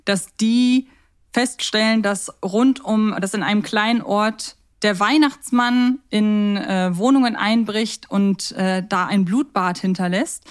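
A woman's voice: mid-range voice, clear, resonant tone. A woman co-hosting a podcast in casual, unscripted and rambling chat. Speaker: podcast co-host.

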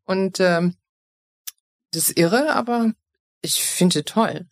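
Speaking slowly in a fairly low voice, a woman with an East Belgian German accent from Eupen reflects openly as an interview guest in Cologne. The conversation is personal, and she frequently breaks off and restarts her sentences.

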